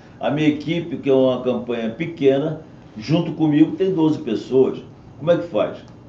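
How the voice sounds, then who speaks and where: A man with a fairly high voice speaks over light background noise, with audible echo in the room. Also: ordinary pitch variation, moderate pace. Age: 60s. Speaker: mayoral candidate and physician; candidate. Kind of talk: interview answers, campaign talk. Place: studio.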